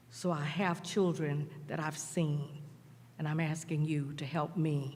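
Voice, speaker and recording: Audible room echo surrounds a woman with a very deep, low pitch. She sounds somewhat breathy and speaks at a fairly slow pace. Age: 70s. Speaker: community outreach leader. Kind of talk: public comment at board meeting. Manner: impassioned.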